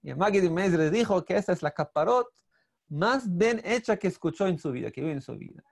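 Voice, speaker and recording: A male rabbi whose first language is Portuguese tells a story to his students over a video call. He speaks haltingly, often stopping to search for the right Spanish word. His voice sits fairly high and is noticeably gravelly. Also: lively intonation. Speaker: rabbi teacher. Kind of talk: online storytelling lesson.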